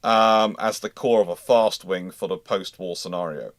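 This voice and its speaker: A man hosting a casual live question-and-answer stream, explaining as an expert in a halting way, often repeating and rephrasing mid-thought. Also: low voice, fairly even intonation, no room sound, studio quality.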